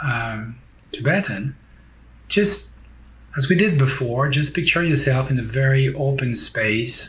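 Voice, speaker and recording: Speaking with a strong French accent, a man sounds somewhat breathy and keeps a very even loudness, pausing long and often with ordinary pitch variation amid audible room echo. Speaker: Buddhist teacher. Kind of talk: dharma teaching. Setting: virtual meeting. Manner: halting, many fillers.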